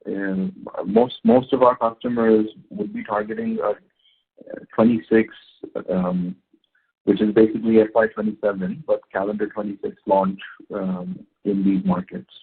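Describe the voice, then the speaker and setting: A man answering questions as a company executive on a conference call, speaking in halting, unscripted phrases. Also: fairly low pitch, animated, gravelly, slightly rough. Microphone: phone conference call. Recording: tinny narrow phone line.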